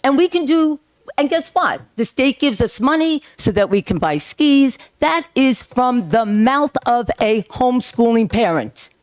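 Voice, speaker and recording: Animated, emotional retired woman testifying. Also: high voice, a little slow. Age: older. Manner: emotional, insistent. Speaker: public testifier. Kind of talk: public testimony at a hearing.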